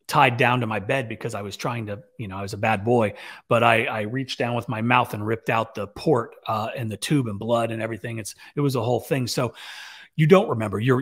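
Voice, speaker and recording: A raspy-voiced man in his forties talks straight to camera into a big boom-arm podcast mic in his home office. He rambles casually, restarting sentences and dropping fillers as he tells his story. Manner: conversational, many fillers and restarts, gestures while talking. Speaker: business owner vlogger. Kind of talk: casual talking-head storytelling. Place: home office with shelves, indoors. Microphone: large podcast mic on boom arm.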